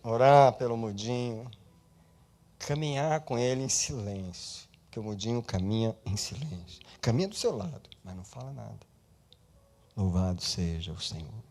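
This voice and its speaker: A male pastor preaching an animated sermon, swinging between loud and soft and slipping English words into his speech. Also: fairly low pitch, moderate pace.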